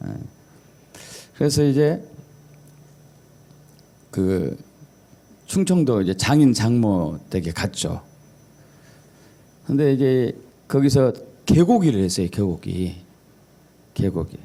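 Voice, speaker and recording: Lively mellow-voiced male pastor preaching. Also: medium pitch, slow pace, long pauses. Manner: jokey storytelling, mimics regional dialects. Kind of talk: Sunday sermon. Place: church service.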